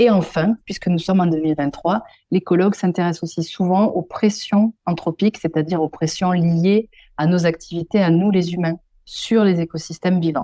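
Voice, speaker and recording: In a southwestern French accent, a woman speaks at a moderate pace with very even loudness and a fairly low pitch. Her tone is dark and mellow, and the sound is dry and close with no echo. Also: fairly even intonation. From southwest France, Pyrenees. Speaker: ecologist. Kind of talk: interview. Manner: hesitant, many fillers.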